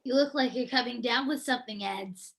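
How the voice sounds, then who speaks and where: A woman's voice: on the high side, a little fast, natural voice. A woman playing a menacing, teasing shape-shifting creature that lures children, at an amateur table read. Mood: mocking.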